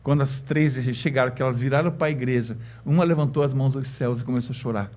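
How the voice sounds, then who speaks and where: A man's voice: medium pitch, fast, darkish tone. A middle-aged man with a Brazilian Portuguese accent, a church elder telling an emotional personal testimony and acting out the quoted dialogue. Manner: storytelling, acts out quoted dialogue.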